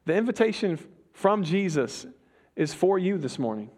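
A young man preaching a sermon in a relaxed, conversational way, with quick asides and slang. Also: high voice, breathy edge. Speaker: pastor.

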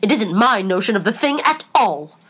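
A woman's voice: mid-range voice, very animated, normal speed, a bit bright, breathy edge. A woman voicing a fretful, scatterbrained storybook queen, groaning and sighing, stretching her phrases for emphasis. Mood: huffy.

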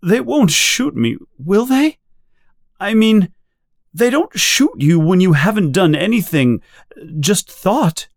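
A man reading a story, voicing a frightened prisoner who pleads in a high, fast voice. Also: darkish tone, dry recording, clean studio sound, heavily acted. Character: frightened middle-aged male prisoner, desperate and babbling.

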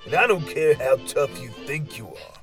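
A man's voice: a little high, very animated, normal speed, soft background music. A man playing an exasperated, cautious friend in an audio drama, wearily scolding with casual swearing. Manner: weary, nagging, casual swearing. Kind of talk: audio fiction acting.

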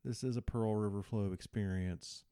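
A man walks through his game master choices in a calm, explanatory voice-over. His voice sits low and mellow, recorded close and dry with no room behind it. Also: clear, resonant tone, no room sound. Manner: explanatory, measured. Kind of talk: voice-over commentary on a tabletop game.

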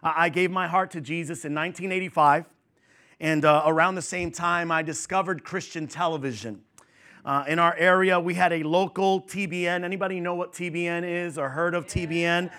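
A New York pastor in his fifties gives a conversational sermon, his fairly high voice moving a little fast with fairly even intonation. He's warm and humorous with the congregation, full of chatty asides and fillers.

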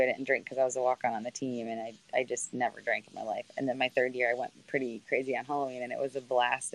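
On a low-quality video call recording, a woman in her thirties who works as a sideline reporter answers students' questions. Her voice is naturally deep, and she talks conversationally, with lots of fillers and restarts.

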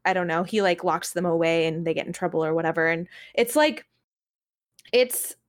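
A woman's voice: on the low side, normal speed. A woman co-hosting a podcast in casual chat, talking in an informal, conversational way. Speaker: podcast co-host and games writer.

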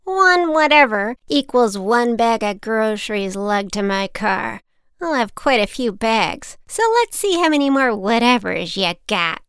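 A woman voicing a fierce, sharp-tongued old woman who scolds children in a cackling, drawn-out way. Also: a little high, lively intonation, clear, resonant tone, no room sound, studio quality. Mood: mocking.

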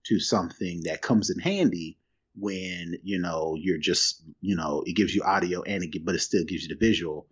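A man co-hosting a casual tech news podcast, talking in an animated, slangy, emphatic way. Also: sits low, moderate pace, husky, muffled recording. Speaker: podcast co-host.

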